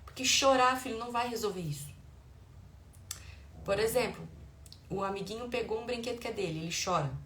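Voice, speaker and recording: A woman's voice: on the high side, fairly quick, long pauses. Brazilian woman, echoey room. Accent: Brazilian Portuguese. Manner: warm explanatory tone, acts out dialogue with her children. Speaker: parenting educator. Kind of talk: advice talk to parents. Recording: echoey room with faint ambient noise.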